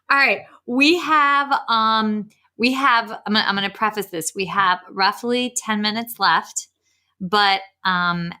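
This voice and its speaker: A woman with a bright voice at an average pitch hosts a casual podcast interview. She asks chatty questions and talks about herself in a self-deprecating way. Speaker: podcast host.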